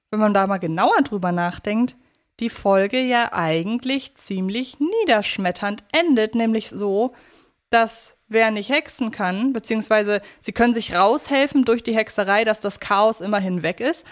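A woman co-hosting a podcast, chatting casually as she reviews an audio drama. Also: mid-range voice. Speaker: podcast co-host.

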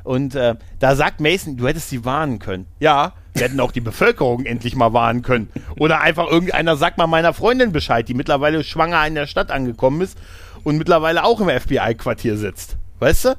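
A man's voice: fairly high pitch, animated, brisk, a bit bright, dry recording. Man, podcast host, casual film talk, rambling, constant tag questions, laughs often.

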